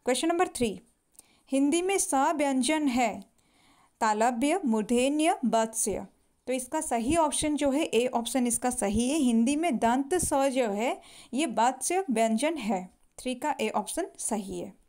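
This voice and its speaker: A woman's voice: high voice, lively intonation, measured pace, darkish tone. A woman teacher, patiently going through exam multiple-choice questions and repeating each answer. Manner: explains patiently, repeats each answer, often says "thik hai".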